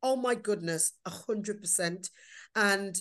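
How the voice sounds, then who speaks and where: A woman's voice: medium pitch, slow pace, a bit bright. A woman with a Black Country accent talks casually as an interview guest, emphatically repeating words for stress. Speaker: podcast guest, performer and writer.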